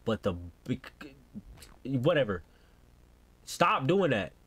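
A man's voice: mid-range voice, sing-song, slow pace, husky, no room sound. A young American man doing casual, slangy game reaction commentary as a streamer, often exclaiming. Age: young adult. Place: indoor room at home.

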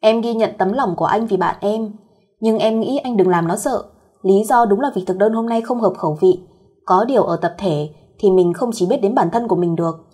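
A woman plays a cheeky young cousin in an audio story, told as by a fireside storyteller. She is a teasing, protective woman with a husky, mid-pitched voice. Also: normal speed, mellow. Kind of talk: acted dialogue in an audio story.

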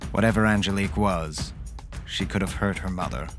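Male actor as haunted man, low-pitched, earnest, measured first-person narration, horror audio drama, soft music behind. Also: close to an everyday voice. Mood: haunted recounting.

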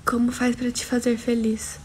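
On a phone livestream, this young Brazilian host reads comments aloud and replies to viewers by name, her São Paulo accent clear. She speaks at a moderate pace in a fairly high, monotone voice, with a little hiss or hum in the recording.

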